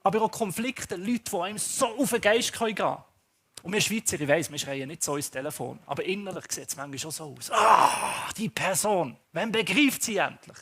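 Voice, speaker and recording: High-voiced Swiss pastor preaching. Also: male voice, fast talker. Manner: animated storytelling, acts out characters. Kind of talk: sermon.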